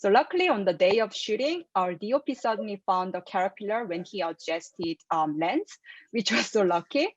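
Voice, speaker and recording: A woman's voice: mid-range voice, lively intonation, moderate pace, no room sound. A woman explains her ideas carefully and earnestly, her shaping her English. The video-call audio is dull and lo-fi, with no room sound around her voice. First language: Korean. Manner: careful, earnest, soft laughs between points. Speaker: filmmaker guest. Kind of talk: interview answers.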